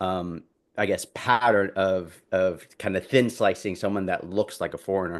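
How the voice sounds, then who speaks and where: Over a quiet background, a man with an ordinary speaking voice and a fairly low pitch talks at a moderate pace. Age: 40s. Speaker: dating coach. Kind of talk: panel discussion.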